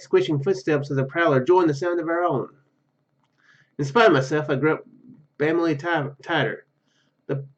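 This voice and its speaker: Higher-pitched man reading a game aloud, dull sound. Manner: stumbles over words while reading. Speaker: gaming video host. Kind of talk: let's play, reading story narration aloud with casual comments.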